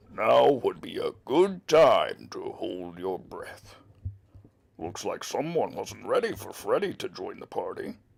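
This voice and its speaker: A man's put-on character voice, extremely high-pitched and fairly slow. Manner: creepy, ominous.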